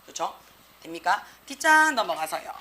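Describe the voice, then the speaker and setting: A woman English teacher giving an exam prep lecture, lively and slangy, peppering students with rhetorical questions. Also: fairly low pitch, normal speed, slight background noise. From South Korea.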